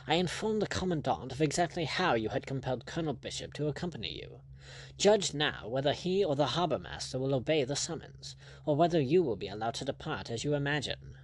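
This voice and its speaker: A man's voice: medium pitch, animated, a little fast, natural voice. A man voicing a haughty aristocratic lord in an audiobook, with a cold, formal manner. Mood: scornful. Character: haughty English aristocrat lord, stiff and indignant.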